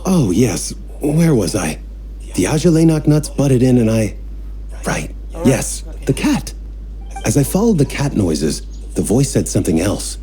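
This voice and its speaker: A man's voice: medium pitch, big pitch swings, measured pace, warm tone. An actor voicing a thoughtful young man in a game, recalling events in a musing, slightly distracted way. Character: young man recounting a strange encounter, thoughtful.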